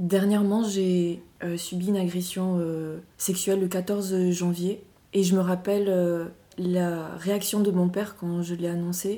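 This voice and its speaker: At a very slow pace, a dark, mellow voice speaks with monotone, flat intonation. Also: woman, medium pitch for a woman. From Madagascar, Diego Suarez. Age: 20s. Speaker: immigrant. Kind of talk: testimony.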